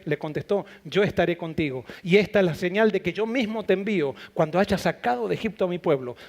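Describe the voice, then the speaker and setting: A man with a high voice preaching a sermon. He builds his points through repeated phrases and rising emphasis, and he also slows into quieter, reflective stretches. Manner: quieter, reflective and slow in the closing appeal.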